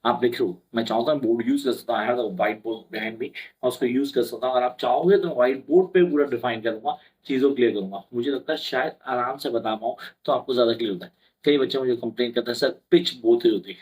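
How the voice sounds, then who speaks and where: A young man tutors for an English exam in a relaxed blend of Hindi and English, sitting in an indoor room with a whiteboard behind him. His medium-pitched voice is fast, slightly mellow, and husky, and the recording is low quality. He is chatty and reassuring, and he acts out the questions his students might ask.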